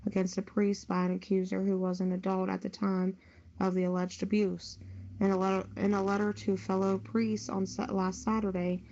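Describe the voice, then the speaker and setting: A woman's voice: mid-range voice, completely flat delivery, moderate pace, dark tone, highs cut off, slight background noise. A woman reading written news stories aloud on a podcast. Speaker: news story reader.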